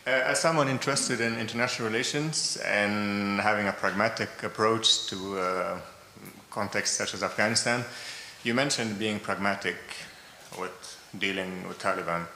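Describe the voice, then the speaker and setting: A man's voice: fairly low pitch, moderate pace, pushed and bright, roomy sound, big-room sound, slight background noise. A man from the audience asking a question, hesitant and searching for his words.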